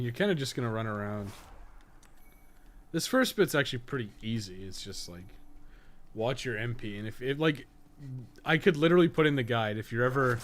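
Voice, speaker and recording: A man's voice: mid-range voice, a little hiss or hum. A man giving casual live video game commentary as a streamer, with a wry, offhand, sarcastic way of talking.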